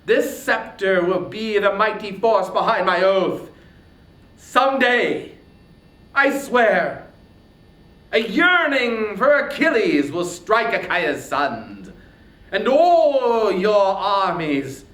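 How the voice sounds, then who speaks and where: A man acts out a proud warrior hero of ancient epic, raging and anguished. The voice is high and declamatory, drawing words out slowly. The room rings around it. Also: big pitch swings, fairly bright tone, heavily acted. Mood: vengeful, threatening. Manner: declamatory, impassioned, drawn-out words. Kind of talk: dramatic epic poetry reading. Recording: roomy echo, faint rumbling noise.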